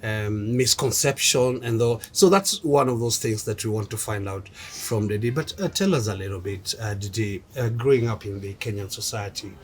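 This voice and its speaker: A man's voice: fairly low pitch, normal speed, hardly any pauses, slight background noise. A man hosting a casual interview, asking long, rambling questions full of fillers.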